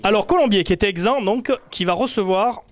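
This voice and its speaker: A man with a high-pitched voice runs a football cup draw. He talks casually and loosely, padding his sentences with fillers and small hesitations. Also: fairly quick. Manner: chatty, hesitant, many fillers. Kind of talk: casual live announcing.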